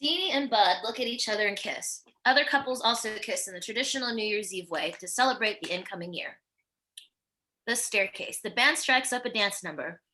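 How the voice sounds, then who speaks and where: A woman's voice: medium pitch, animated, brisk, pushed and bright, slight background noise, poor audio. A woman reading stage directions as scripted narration at a virtual table read.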